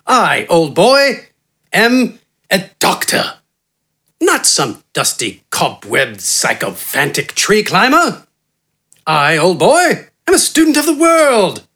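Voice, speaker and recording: A narrator voicing an eccentric, pompous male doctor who is manic and jovial and speaks in a grand, excitable way. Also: mid-range voice, slow pace, slightly rough, pitched above the performer's own voice, exaggerated voice. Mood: boastful. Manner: pompous, excitable, keeps saying "old boy".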